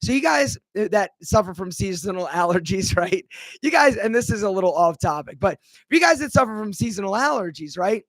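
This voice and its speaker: A man hosting a casual live Q&A, chatting energetically and greeting viewers by name, his voice rough from seasonal allergies. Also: high-pitched, animated, a little fast, fairly bright tone, no room sound. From Philadelphia. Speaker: livestream host.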